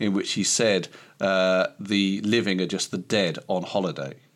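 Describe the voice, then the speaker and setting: A man with a fairly low pitch. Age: 50s. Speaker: podcast host. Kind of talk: casual chat. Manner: halting.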